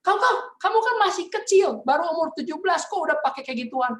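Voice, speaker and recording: A man's voice: lively intonation, unhurried, fairly bright tone, roomy sound, far from the mic, a little hiss or hum, exaggerated voice. A man putting on the voice of his alarmed, scolding mother while telling a story. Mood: shocked scolding. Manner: shrill, fussing, questioning. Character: alarmed scolding mother, middle-aged woman.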